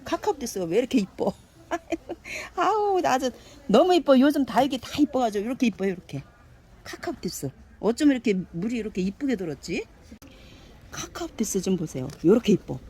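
A woman giving a cheerful live sales pitch for succulent plants, gushing and exclaiming over each one and chatting aloud to herself. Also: dark tone, husky. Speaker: succulent seller.

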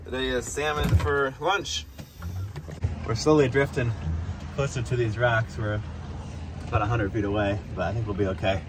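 A man's voice: mid-range voice, fairly even intonation, normal speed, long pauses. Laid-back man vlogging over boat noise. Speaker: sailing vlogger. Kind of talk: casual vlog narration. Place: outdoors on a small sailboat at sea. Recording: noisy boat outdoors, engine and water. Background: boat and water noise.

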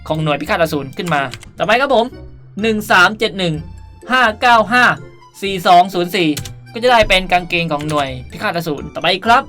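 A woman's voice: fairly low pitch, lively intonation, fairly quick, fairly bright tone. A woman hosting a casual game tutorial in a playful, chatty way with cutesy sentence endings. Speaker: gaming video host. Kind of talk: casual game tutorial commentary, reading out item codes. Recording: music under the voice. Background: background music.

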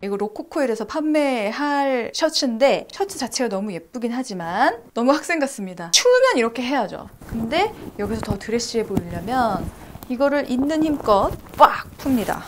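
A young woman with a somewhat high voice hosts a casual beauty tutorial. She explains and demonstrates in a lively way, often dropping into a soft whisper between her tips. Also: moderate pace, over music. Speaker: beauty and style YouTuber.

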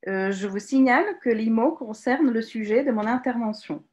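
Woman from ukraine running an online workshop, slightly high voice, lots of euh, cheering people on over a video call. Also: normal speed. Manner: lively, hesitant with frequent fillers, encouraging. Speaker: teacher trainer giving a webinar talk. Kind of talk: live online workshop presentation. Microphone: computer mic on a video call.

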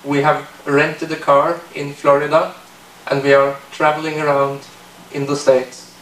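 Man, Norwegian accent, careful phrasing, slightly high voice, distant mic, echoey room. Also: flat delivery, a little slow, a bit bright, slight background noise. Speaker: visitor in conversation. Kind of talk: casual chat. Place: small room indoors.

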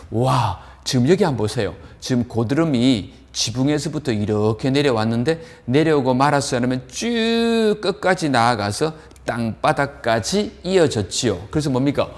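A man teaching an English lesson, asking his students questions and answering them himself, drawing out the English words slowly as he models them. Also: mid-range voice. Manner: animated, asks and answers his own questions. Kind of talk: lively classroom-style lesson.

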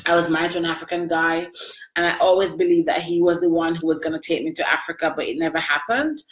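Sniffly middle-aged woman, lower voice, livestreaming from an echoey room at home. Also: fairly even intonation, quick pace. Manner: chatty, emotional, addresses viewers by name. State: sniffly after crying. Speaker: livestream host answering viewers. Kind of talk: casual live video chat. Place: small room at home, indoors. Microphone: webcam at close range.

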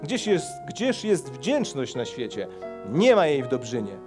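A man's voice: medium pitch, big pitch swings, measured pace, over music. A man voicing a fiery, vengeful old male servant of the nobility, giving an impassioned speech to rouse a crowd, as part of a dramatic poetry reading. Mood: fiery, rousing. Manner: impassioned rabble-rousing oratory.

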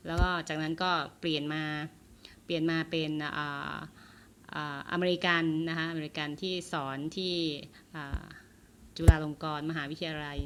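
Polite chatty woman, bright voice. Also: deep voice, little pitch movement, moderate pace, a little hiss or hum. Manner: polite, many fillers and trailing particles. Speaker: vlogger, bank counter worker. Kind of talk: casual vlog talk.

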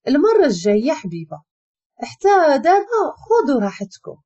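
A woman voicing a sharp, hurt young wife, speaking with a Moroccan accent in a clipped, pleading way. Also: a little high, very animated, normal speed, breathy edge. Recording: dull lo-fi recording.

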